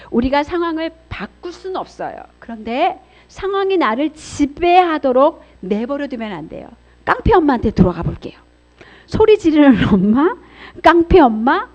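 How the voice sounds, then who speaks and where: Brief: middle-aged woman preacher, high lively voice, dramatic storytelling, dull lo-fi church recording. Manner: expressive storytelling, acts out voices, swings between loud and hushed. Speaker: pastor's wife giving a seminar talk. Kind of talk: church seminar sermon. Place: church hall. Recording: dull lo-fi sound.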